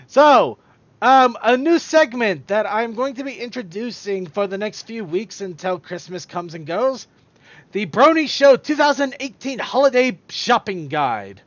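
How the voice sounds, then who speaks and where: A high-voiced man hosts a podcast, rambling through casual chat and tripping over his own words. The sound is dry and close, with a slightly dull, lo-fi tone from a stream. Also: expressive, unhurried, a bit bright, dry recording. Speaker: podcast host.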